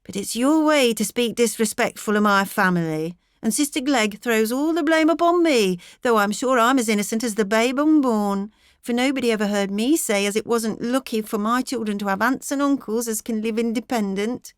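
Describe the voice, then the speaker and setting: A woman's voice: a little high, moderate pace, clean tone, no room sound, clean studio sound, pitched above the performer's own voice, lightly acted. A woman voicing a fretful middle-aged country wife with a rural English accent, rambling on earnestly and plaintively in an audiobook. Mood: plaintive, fussing.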